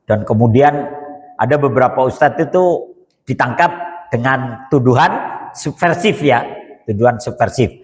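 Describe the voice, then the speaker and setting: A man's voice: mid-range voice, normal speed, long pauses. A man preaching a sermon, telling stories with humor and chatty asides to the audience. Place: mosque hall. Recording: long reverb of a hall.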